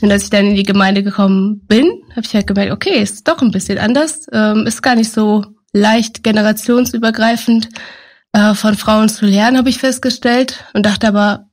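A woman in her thirties, speaking thoughtfully as an interview guest, often pausing with fillers. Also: medium pitch, fairly even intonation. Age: 30s. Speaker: guest, team coordinator. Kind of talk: interview conversation.

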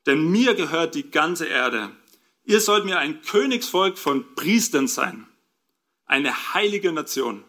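Bright-voiced man preaching a sermon. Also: fairly high pitch. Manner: explains scripture and asks the congregation rhetorical questions.

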